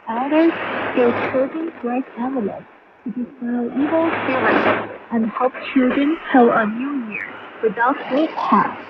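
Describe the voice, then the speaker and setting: Female radio presenter, high register, scripted narration, dull shortwave sound buried in heavy noise. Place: radio broadcast heard over shortwave receiver.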